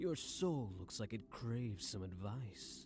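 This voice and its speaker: Over clear background music, a man does a breathy, put-on character voice at a fairly low pitch and fairly slow pace. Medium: video game. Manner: slow, enigmatic.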